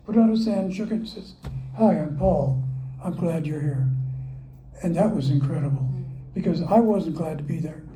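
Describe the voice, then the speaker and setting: A man's voice: sits high, mellow, echoey room, a little hiss or hum, poor audio. An older man at a recovery meeting, telling his story in a folksy, self-mocking way. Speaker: AA speaker. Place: club meeting room.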